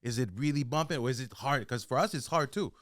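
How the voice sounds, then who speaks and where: A man with a clean, mid-pitched voice in a dry recording. He talks casually as a co-host, hopping between Spanish, English and French. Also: moderate pace, a bit bright, no echo. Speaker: podcast co-host. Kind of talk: casual interview chat.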